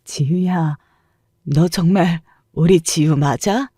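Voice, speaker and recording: A worn-down middle-aged mother, as a woman narrator plays her, sobbing out broken, slow apologies to her daughter. Her voice wavers as she cries. The recording is close and dry, with no room sound. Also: lowish voice, mellow, breathy edge, no room sound. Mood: tearful. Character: frail, tearful middle-aged mother, full of remorse.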